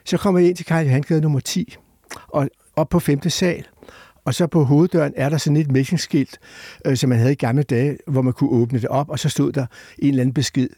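A man's voice: on the high side, dry recording, studio quality. An older man telling a personal story in a casual way, acting out the voices of the people he quotes. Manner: lively storyteller who acts out quoted voices. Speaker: storyteller guest.

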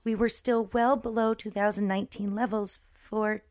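A woman's voice: medium pitch, flat delivery, moderate pace, darkish tone, close to an everyday voice. A woman playing a corporate finance executive answering analysts in a theatrical earnings-call reenactment. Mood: explanatory.

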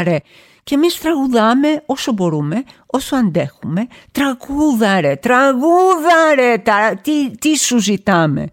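Woman doing a dramatic solo podcast rant, big swings from loud to hushed, mid pitch. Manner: theatrical, emotive, shifting between loud exclamations and hushed asides. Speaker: podcast host. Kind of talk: personal monologue podcast.

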